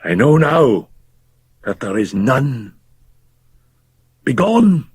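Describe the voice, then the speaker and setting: A man voicing a bitter, shabby old male drunkard whose high, strained voice rises loud as he confronts an old rival. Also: slow, vocal fry, husky, dry recording, full character voice. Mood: bitter defiance.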